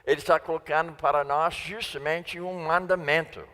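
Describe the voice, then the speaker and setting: A guest preacher delivers a sermon in a church sanctuary in Portuguese, which isn't his first language, stressing and repeating key phrases. His voice is a little high and a bit bright, with fairly even intonation at normal speed, and long church reverb fills the recording.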